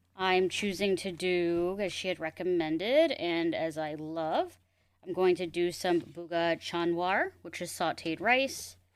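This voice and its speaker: A woman with a Mid-Atlantic US accent talks at a fairly slow pace, with fairly low pitch and fairly even intonation. The recording is very clean with a silent background. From southern New Jersey, US. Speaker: podcast host, librarian and home cook. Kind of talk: podcast monologue.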